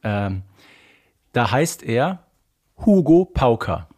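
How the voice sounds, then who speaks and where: Husky German man in casual podcast talk. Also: medium pitch, very animated, drawn-out words, a little mellow. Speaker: podcast co-host. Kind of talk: casual fan-podcast discussion.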